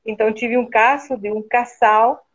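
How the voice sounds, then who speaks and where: A woman with an Argentine Spanish accent, a guest architect speaking slowly and hesitantly with many fillers in a casual conversation. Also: a little high, fairly even intonation, slightly rough, highs cut off. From Argentina (Buenos Aires), born in Brazil. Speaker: guest, architect and interior designer.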